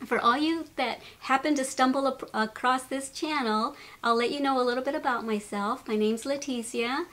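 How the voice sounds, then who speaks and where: A woman's voice: high voice, fairly bright tone. A woman in her late forties hosting a children's channel, chatting to little kids with frequent laughs, in a home room. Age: 40s. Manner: chatty, laughs often, speaks slowly and sweetly to kids. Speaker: channel host. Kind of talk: warm casual talk to young children. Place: home room with a wall of books.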